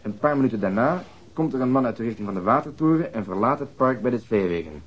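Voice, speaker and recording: An actor playing a methodical police detective questioning a witness in a radio drama, formal, matter-of-fact and probing. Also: male voice, mid-range voice, lively intonation, fast talker, slightly rough, highs cut off. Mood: measured, formal.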